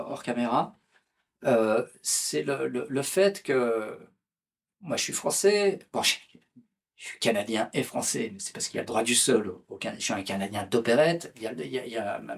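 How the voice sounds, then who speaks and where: Guy chatting in an interview, husky voice, lots of euhs and restarts. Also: mid-range voice. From France. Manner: hesitant, many fillers and restarts. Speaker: author and political activist, interview guest. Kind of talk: conversational interview.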